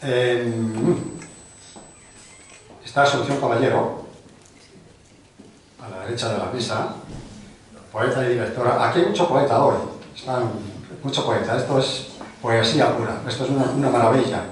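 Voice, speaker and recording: Hombre mayor presentando en una sala con mucho eco. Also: male voice, medium pitch, moderate pace, pauses often, distant mic, slight background noise. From Spain. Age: older. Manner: rambling, chatty, self-deprecating jokes. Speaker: host of a book presentation. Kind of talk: informal welcoming speech. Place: large hall of a cultural club, indoors. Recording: very echoey hall, heard from afar.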